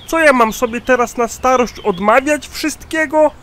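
A man's voice: extremely high pitch, moderate pace, fairly bright tone, a little hiss or hum. A man playing a sceptical, nosy old man who asks incredulous questions in a cartoon comedy skit. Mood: curious.

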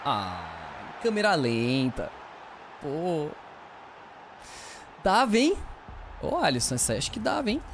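A man with a Brazilian Portuguese accent doing live gameplay commentary for a football video game. He yells at his players and talks in casual slang. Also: fairly high pitch, slow pace, long pauses, a little hiss or hum. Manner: excitable, shouts at players, slangy banter. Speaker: gaming streamer.

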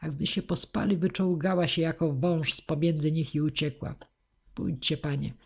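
A woman's voice: deep voice, steady tone, normal speed, creaky, breathy edge, full character voice. A woman voicing a blunt, loyal young male squire, speaking plainly and practically in an audiobook. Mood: urgent.

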